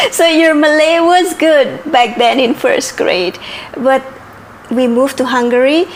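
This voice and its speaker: A woman's voice: sits high, takes it slowly, a little hiss or hum. A woman in her forties from Indonesia, with an Indonesian accent, explaining things in a casual chat and listing examples. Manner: explanatory, lists examples, frequent yeahs. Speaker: vlogger and parent.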